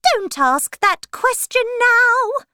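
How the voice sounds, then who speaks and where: A woman voicing an excitable, hurried white rabbit who proclaims loudly as a court herald in a storybook. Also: very high-pitched, no echo, clean studio sound, pitched above the performer's own voice, heavily acted. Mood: urgent. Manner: urgent, loud proclaiming.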